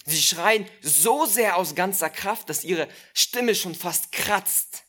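Slow, emphatic preacher. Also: mid-range voice, expressive, sharp tone. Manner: addresses listeners directly. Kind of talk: sermon.

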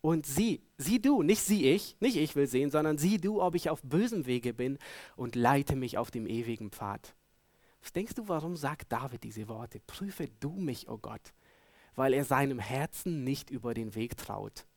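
A man preaching a sermon, earnestly putting searching questions to his listeners and moving between loud emphasis and hushed tones. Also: medium pitch, lively intonation, normal speed, no room sound.

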